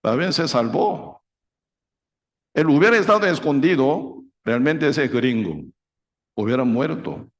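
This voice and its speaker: Korean-accented pastor preaching in Spanish. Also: male voice, medium pitch, animated, unhurried, pauses often. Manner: broken Spanish, tag questions, loud dramatic reenactments. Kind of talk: sermon.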